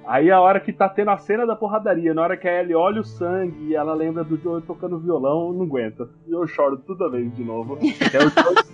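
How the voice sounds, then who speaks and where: A man's voice: on the high side, animated, quick pace, few pauses, dull audio, soft background music. A man in casual podcast chat, talking in an emotional, exclamatory way.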